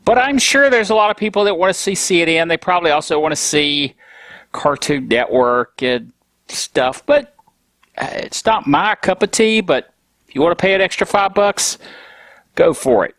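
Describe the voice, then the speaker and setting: A man's voice: a little high, moderate pace, fairly bright tone, dry recording. A man hosting a tech show alone, stuffy from a cold, talking casually with grumpy, self-mocking humor. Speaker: podcast host.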